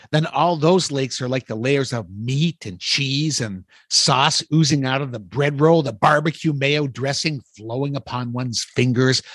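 Man co-host, husky, lively pitch, goofy banter. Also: no room sound. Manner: playful, food-obsessed joker. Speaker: podcast co-host. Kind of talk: comic scripted chat.

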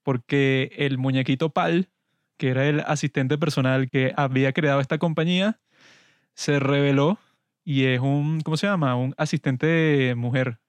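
Smooth-voiced man hosting a film chat. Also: mid-range voice, steady tone, a little slow, no echo. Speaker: podcast host. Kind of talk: casual film review chat.

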